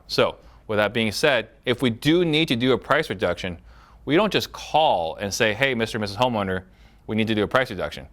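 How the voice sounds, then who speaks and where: A man leading a recorded sales training course, explaining briskly and acting out sample phone dialogues. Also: mid-range voice, fairly bright tone.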